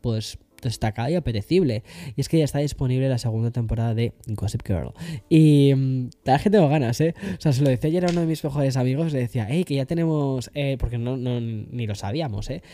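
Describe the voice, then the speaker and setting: Casual male podcast host, very dark mellow tone, dry close sound, rambles and corrects himself. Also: mid-range voice, quick pace, no room sound. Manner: chatty, digressive, self-correcting with fillers. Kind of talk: casual tech and entertainment news chat.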